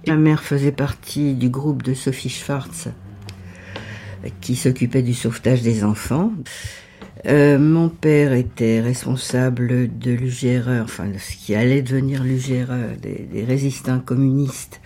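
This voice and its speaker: An older woman whose first language is Yiddish, recalling her past in a halting, reflective interview. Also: very deep voice, warm tone, a little hiss or hum. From France. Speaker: witness. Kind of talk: interview testimony.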